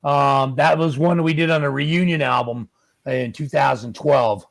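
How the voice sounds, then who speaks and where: A man's voice: mid-range voice, measured pace, vocal fry, dry recording. A man in his fifties or older chatting casually as a musician guest, acting out bits of dialogue. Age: 50s or older. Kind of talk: casual chat.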